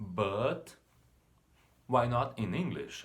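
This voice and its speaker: With a Portuguese accent, a man talks at a fairly slow pace in a room with audible echo. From Brazil. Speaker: literature teacher, YouTuber. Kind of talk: educational video monologue.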